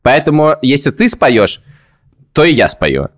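A man's voice: mid-range voice, sing-song, measured pace. Male podcast host, mid-range voice, loose self-ironic storyteller. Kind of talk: casual podcast chat.

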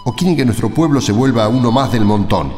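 A man's voice: mid-range voice, expressive, a little fast, a little mellow, lightly acted. An Argentine man playing an impassioned village priest in a radio drama, emphatic and full of rhetorical questions. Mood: earnest, exhorting. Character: impassioned village priest rallying his parishioners. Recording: echoey hall reverb, music behind.

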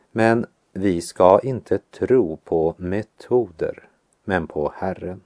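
Deep-voiced man reading a devotional. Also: dark tone, no echo, clean studio sound. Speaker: devotional speaker. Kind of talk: read devotional teaching.

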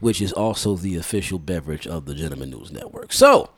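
Stuffy-nosed guy hosting a podcast, low voice that swings around a lot, dry close sound. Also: animated, fast talker, a bit bright, husky, no echo. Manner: playful slangy banter. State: congested. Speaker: podcast host. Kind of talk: casual chat.

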